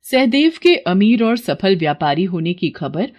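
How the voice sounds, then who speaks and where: A woman tells a cartoon story in a calm, steady narrating voice. Her pitch sits in a middle range, and her delivery is scripted and even. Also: measured pace.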